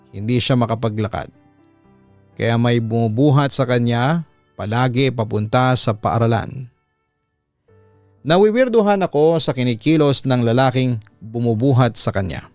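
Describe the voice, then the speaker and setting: A man's voice: mid-range voice, a little mellow, dry recording. A man with a Filipino accent reading a listener's letter aloud as a storytelling host, in first-person dramatic narration.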